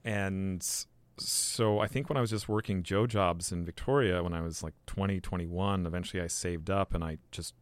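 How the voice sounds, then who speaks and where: A man's voice: low voice, fairly even intonation, normal speed, dry recording. A man in his forties, a filmmaker guest on a podcast, telling his story casually with lots of restarts and fillers. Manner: rambling, many restarts and fillers.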